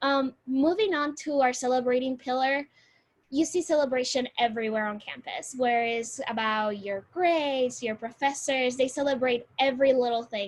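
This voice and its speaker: With a Spanish accent, the speaker delivers the words at a moderate pace. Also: woman, high pitch for a woman, ordinary pitch variation. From Puerto Rico. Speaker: university student. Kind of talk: presentation to new students. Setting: recorded virtual orientation. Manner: casual with many fillers.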